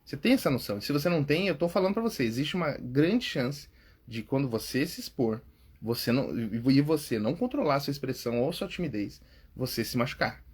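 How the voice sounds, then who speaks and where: A man's voice: mid-range voice, animated, brisk, breathy edge. A Brazilian man hosting a podcast on public speaking, coaching listeners in a chatty, casual way. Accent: Brazilian Portuguese. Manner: chatty, says "cara" and "tá?" often, laughs at himself.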